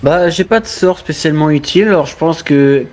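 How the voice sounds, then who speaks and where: A man's voice: fairly high pitch, a little fast, a little mellow. A man playing a tabletop role-playing game, chatting casually as he works out his turn.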